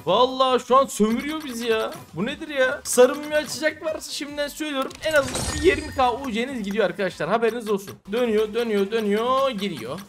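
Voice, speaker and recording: A man's voice: very high-pitched, fast talker, few pauses. A young man commenting casually on a mobile game, exasperated and cursing at his bad luck. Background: music.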